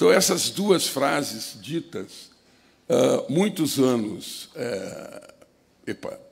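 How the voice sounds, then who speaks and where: A man speaks with a Brazilian accent. His pace is very slow. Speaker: public health researcher. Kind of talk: conference talk.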